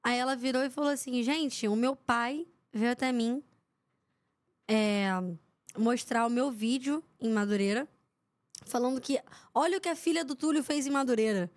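At a moderate pace and on the high side, a young woman shares anecdotes as a podcast guest. She's a sports reporter and a lively storyteller who dramatizes what people said.

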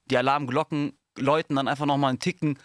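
A man's voice: mid-range voice, steady tone, quick pace, clean tone, no room sound, studio quality. A man hosting a casual podcast chat, throwing provocative, needling questions at his guest.

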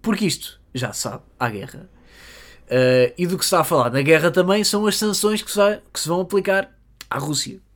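A podcast host with a European Portuguese accent, telling a comedic story in an animated, jokey way. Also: mid-range voice, a little fast. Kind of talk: comedic monologue.

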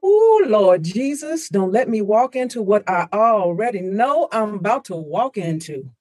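A woman playing a fiery, husky betrayed wife. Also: medium pitch, animated, moderate pace, no echo, close to an everyday voice. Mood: indignant. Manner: loud, profane and indignant. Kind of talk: comedy script table read.

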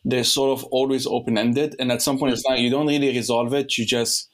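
Young male podcast host from Lebanon, casual and meandering, mid pitch. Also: little pitch movement, fairly quick, a little hiss or hum. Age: young adult. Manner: rambling, many restarts and fillers. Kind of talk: casual conversation.

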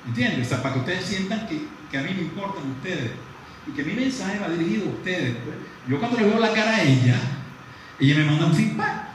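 A man gives a live lecture in a large room, his fairly high voice caught from a distance by a room mic. The hall rings with strong echo, and a faint hiss sits underneath. He talks in a lively, conversational way and keeps asking the audience questions. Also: fairly quick. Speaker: psychologist lecturing dentists. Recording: very echoey hall from far off, faint noise.

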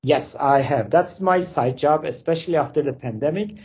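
A man's voice: a little high, moderate pace, a little mellow, muffled recording, a little hiss or hum. A man from Turkey speaking English, answering interview questions casually with loose phrasing and many fillers. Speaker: interview guest, company founder.

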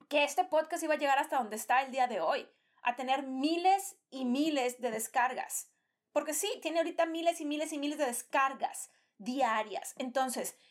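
A woman podcast host giving an emphatic motivational talk whose first language is not Spanish, asking herself rhetorical questions and repeating phrases. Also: high-pitched.

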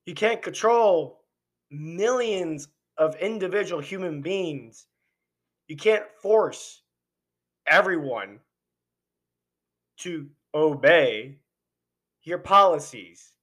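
A man delivers a heated solo commentary, firing off rhetorical questions in a voice pitched slightly above the usual male range. His voice is worn and hoarse because he is losing it. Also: expressive, extremely slow, long pauses, a bit bright. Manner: impassioned, ranting, rhetorical questions. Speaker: podcast host. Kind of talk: opinionated political commentary monologue.

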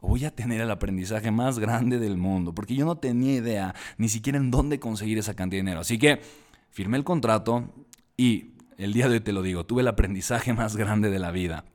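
A man, an entrepreneur telling an animated personal story and repeating words for emphasis. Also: lowish voice, brisk.

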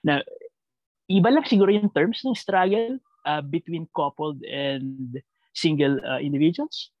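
Filipino male, Taglish, gravelly fry, halting reflective conversational delivery, slightly dull recording. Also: on the high side, dry recording. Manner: halting, repeats words while thinking aloud. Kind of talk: reflective conversational interview answer in Taglish, mixing Tagalog and English.

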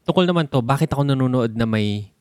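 A young man with a Filipino accent, co-hosting a casual chat about films. He explains in an animated way and uses sound words to make his examples. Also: medium pitch, quick pace, no room sound.

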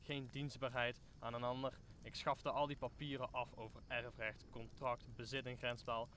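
A man's voice: mid-range voice, little pitch movement, normal speed, fairly bright tone, a little hiss or hum, natural voice. A man playing a talkative, optimistic old counsellor who speaks formally in an audio drama. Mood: idealistic, declaiming. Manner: formal, speechifying. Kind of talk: Dutch audio drama acting of Shakespeare.

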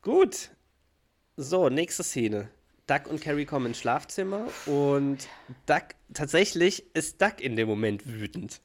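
A man's voice: on the high side, very animated, slow pace. A man co-hosting a podcast in casual chat, setting up the scenes with hesitant fillers. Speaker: podcast co-host.

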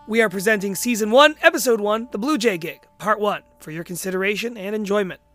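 Podcast presenter, male, high and crisp-edged bright tone, scripted intro narration over a music bed. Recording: music under the voice.

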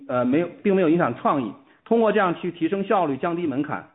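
A man, a company executive, answering questions on an earnings call in a halting way, often restarting phrases. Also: on the high side. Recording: muffled narrowband phone line.

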